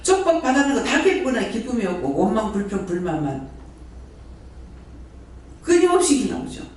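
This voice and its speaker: In a church hall, a man serving as prayer house director preaches a sermon, hurling one rhetorical question after another at the congregation. His voice sits high with big swings in pitch at a moderate pace. The hall is very echoey, he sounds far away, and there's faint noise.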